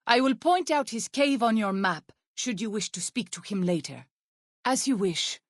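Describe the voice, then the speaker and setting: An actress voicing a solemn, devout tribal woman in a video game, speaking in a formal, measured and earnest way. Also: mid-range voice, animated, dry recording, clean studio sound. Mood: calm, courteous. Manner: formal, measured, earnest speech with few contractions. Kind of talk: video game character dialogue.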